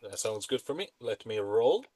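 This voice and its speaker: A man running a tabletop game as game master, with slow, dramatic narration. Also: on the low side, very animated, warm tone, dry recording.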